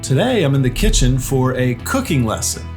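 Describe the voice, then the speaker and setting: A man's voice: medium pitch, big pitch swings, moderate pace, over music. A man hosting an online series, interviewing a chef over video chat from his home kitchen in an upbeat, friendly way. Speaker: host. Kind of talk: casual video-chat interview and cooking lesson.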